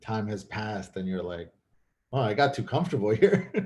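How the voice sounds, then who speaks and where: A fairly low-pitched man with a Spanish accent and lively intonation, at a moderate pace. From Mexico. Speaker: filmmaker. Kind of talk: casual chat.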